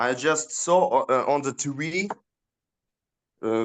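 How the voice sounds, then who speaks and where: A man with a non-native accent, fairly high pitch and ordinary pitch variation. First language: Russian. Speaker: professional wrestler. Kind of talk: interview. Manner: halting, many fillers.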